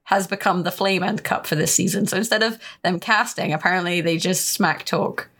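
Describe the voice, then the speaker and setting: A woman's voice: on the low side, moderate pace, fairly bright tone. A woman hosting a gaming podcast in casual chat, laughing often and teasing her guests. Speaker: podcast host.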